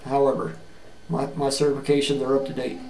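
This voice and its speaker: A middle-aged man giving a plain-spoken, earnest video resume, halting often with fillers and restarts, recorded on a webcam in a small room. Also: medium pitch, completely flat delivery, a little mellow, a little hiss or hum. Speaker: job seeker. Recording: echoey room with faint ambience.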